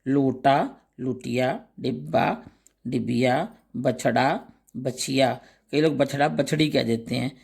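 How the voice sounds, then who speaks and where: Reading word pairs one by one in a grammar lesson, a male teacher speaks very slowly and deliberately, pausing after each word and adding brief explanations. His ordinary mid-pitched voice is creaky and husky with a slightly mellow quality.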